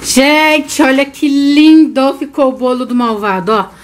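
A woman in her thirties runs a relaxed home cooking vlog from her kitchen, filming on a handheld phone and chatting with viewers, whom she calls "gente." Her voice is high-pitched and steady, her pace measured, and there's faint background noise.

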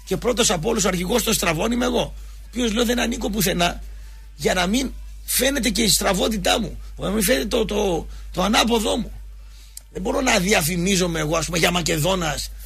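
A man's voice: sits high, creaky, a bit bright, husky. A man hosting a sports show, delivering a rambling, emphatic football commentary monologue in colloquial talk full of restarts and mocking quotes.

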